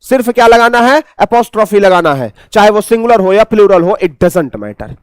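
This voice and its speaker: A man's voice: high-pitched, big pitch swings, normal speed, clear, resonant tone, no room sound. A man with an Indian accent teaching an exam-prep English lesson, explaining by asking the class questions and answering them himself.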